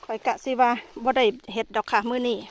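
A woman's voice: fairly high pitch, fairly even intonation, quick pace, a little hiss or hum. A woman with an Isan Thai accent chatting casually as she vlogs outdoors in a forest, exclaiming often. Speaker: vlogger. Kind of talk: casual vlog narration.

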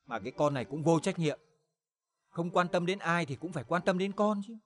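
An actor playing a gruff, irritable older grandfather who scolds curtly in a television drama. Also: fairly high pitch, lively intonation, brisk, natural voice. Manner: curt and scolding. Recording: television drama with clear background noise.

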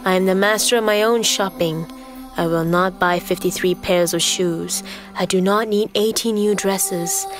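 A woman's voice: mid-range voice, fairly even intonation, unhurried, faint music behind, pitched below the performer's own voice, natural voice. Woman acting a soothing self-control coach. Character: soothing female hypnosis coach who breaks into excitement.

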